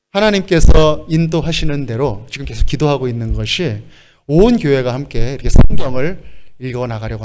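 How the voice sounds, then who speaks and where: A male pastor preaching a sermon in a lively way, acting out quoted lines and laughing as he goes. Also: mid-range voice.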